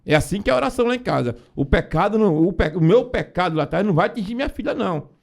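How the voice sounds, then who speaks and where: A man's voice: high-pitched, animated, rapid-fire, gravelly. A man on a podcast speaking emphatically about faith, often addressing listeners directly. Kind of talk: casual preaching talk.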